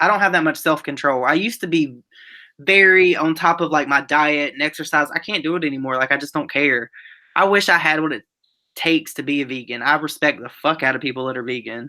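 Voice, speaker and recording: A bright, sharp voice in a Southern US accent, very fast, with ordinary pitch variation, in a very clean recording with a silent background. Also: man, fairly high pitch for a man. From North Carolina. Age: 30s. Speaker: YouTuber, livestream guest. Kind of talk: casual chat.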